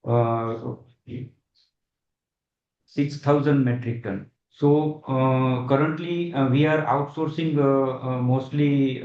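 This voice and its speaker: Halting Indian man, echoey dull call audio. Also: mid-range voice. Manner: halting, hesitant, with very frequent long filled pauses. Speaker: company executive on an earnings call. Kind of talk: answering analyst questions on a conference call. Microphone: conference call.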